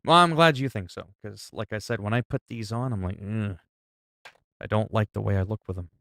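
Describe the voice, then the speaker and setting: A man's voice: lowish voice, brisk, creaky, sharp tone, no echo, clean studio sound. A man in his forties chatting casually and profanely with stream viewers, rambling and explaining things with everyday examples. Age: 40s. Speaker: livestreamer.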